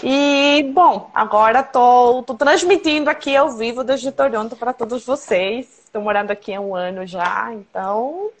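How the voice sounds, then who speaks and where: Lively Colombian woman on a video call. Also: fairly high pitch, unhurried, hardly any pauses. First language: Spanish. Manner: lively, friendly, playful. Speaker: tourism representative guest. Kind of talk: casual live-stream interview. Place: home in Toronto, streaming live.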